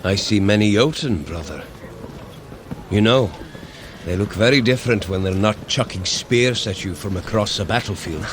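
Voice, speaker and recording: An actor playing an earnest, blunt male warrior god in an audio drama, measured and solemn. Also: fairly low pitch, noisy background, close to an everyday voice. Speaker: Thor.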